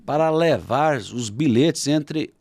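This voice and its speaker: A man with a Brazilian Portuguese accent, a guest author, telling a historical story in a podcast interview and acting out shouted quotes. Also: on the high side, expressive, takes it slowly, gravelly, no echo.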